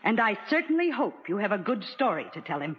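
A woman's voice: mid-range voice, big pitch swings, a little fast, a little hiss or hum, lightly acted. An actress playing a stern, suspicious young female soldier in a 1950s radio drama, speaking in curt commands. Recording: dull old radio recording.

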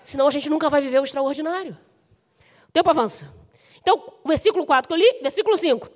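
Brazilian Portuguese woman preacher, high, quick and animated sermon, echoing church hall. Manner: animated, conversational preaching addressing the congregation as brothers.

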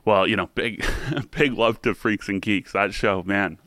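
A man's voice: fairly low pitch, a little slow, bright, forceful tone, dry recording. A man hosting a music show, chatting in a laid-back, rambling way with lots of fillers. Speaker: radio show host. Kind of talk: casual chat about songs.

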